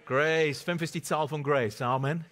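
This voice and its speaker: A man in his forties preaching a sermon on a large church stage through a headset mic, animated and peppered with Amen and Hallelujah. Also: on the high side, measured pace. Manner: animated preaching with Amen and Hallelujah interjections, mixing in English words. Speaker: pastor.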